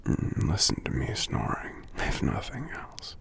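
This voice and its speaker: A man voicing a gentle, congested giant lover in an intimate ASMR roleplay, murmuring softly and tenderly with small hums between phrases. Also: unhurried, lightly acted. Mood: gentle, inviting. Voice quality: congested, stuffy, breathy half-whisper. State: congested from a cold. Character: gentle sick male giant, tender romantic partner.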